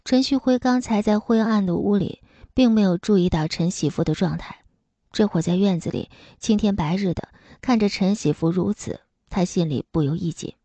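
A woman narrating a novel as an audiobook in a steady storytelling manner. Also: medium pitch, normal speed, no echo.

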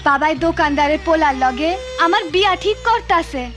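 A troubled teenage cartoon girl who speaks in a pleading way. Her voice is high, and music plays under her lines. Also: animated, brisk, fairly bright tone. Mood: anxious. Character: anxious teenage village girl. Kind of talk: cartoon voice acting.

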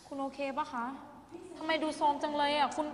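A woman's voice: sits high, level tone, fairly quick, a little hiss or hum, pitched below the performer's own voice, natural voice. A woman acting out a worried young woman who pleads with the man she loves, in an echoey hall. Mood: concerned. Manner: pleading, then pressing hard.

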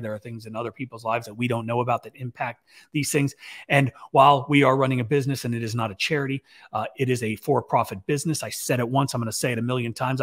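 A man in his forties with a raspy voice, telling a story to camera in a casual, rambling way full of fillers and restarts, from a home office. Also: medium pitch. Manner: conversational, many fillers and restarts, gestures while talking. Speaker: business owner vlogger. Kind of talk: casual talking-head storytelling. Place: home office with shelves, indoors. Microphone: large podcast mic on boom arm.

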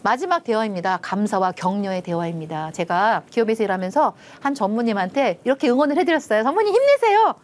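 A middle-aged woman giving a televised Christian lecture on family communication, acting out quotes in lively voices. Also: medium pitch, fast talker, few pauses. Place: television studio with panel.

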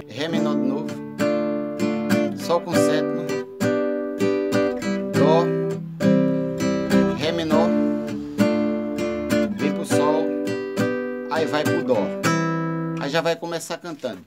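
A Brazilian man with a slightly high-set voice teaching a song on guitar step by step. He talks in plain, repetitive instructions and calls out chords. Acoustic guitar strumming plays loudly under him. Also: fairly even intonation, slow pace, long pauses. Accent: Brazilian Portuguese. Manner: plain instructive talk, repeats key steps, sings snippets loudly. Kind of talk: step-by-step guitar lesson, singing and calling chords. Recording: talk over loud acoustic guitar.

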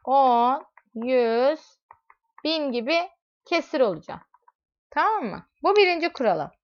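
A woman's voice: high-pitched, expressive, unhurried. A woman teaching a math lesson, explaining with everyday examples and asking her students questions as she goes. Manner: talks directly to students in second person. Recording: dull lo-fi recording.

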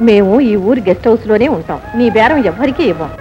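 An actress playing a gentle, wealthy, childless wife who speaks softly and wistfully. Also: female voice, fairly high pitch, lively intonation, fast, highs cut off, soft background music, natural voice. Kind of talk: 1970s Telugu film acting. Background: film score.

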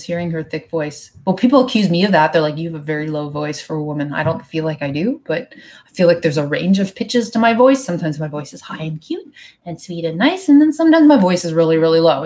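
A woman's voice: on the low side, a little mellow. A woman in her thirties chatting frankly and casually with her live viewers, swearing now and then, recorded on a webcam mic in her apartment living room. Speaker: vlogger answering live chat. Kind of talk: casual live-stream chat. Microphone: webcam mic at desk.

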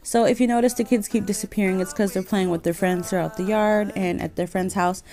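A woman's voice: mid-range voice, steady tone, a little fast, warm tone, soft background music. A young woman vlogging and narrating her cleaning day, talking casually and candidly. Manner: tired, candid, chatty. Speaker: vlogger, mom. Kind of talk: casual vlog chat and voice-over. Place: car interior.

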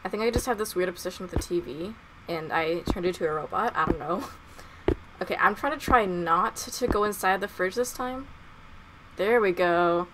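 A woman's voice: lowish voice, normal speed, background noise. A young woman on a headset mic, playing a horror game and commenting nervously, laughing and asking questions. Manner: nervous, giggly, full of questions. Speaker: gaming streamer.

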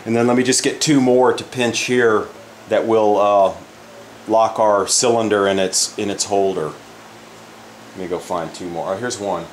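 A man's voice: lowish voice, steady tone, a little slow, noisy background. An older man in a woodworking shop, thinking aloud as he demonstrates a project and often restarts his sentences. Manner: thinking aloud while working, frequent restarts. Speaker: woodworking instructor. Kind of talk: casual workshop demonstration.

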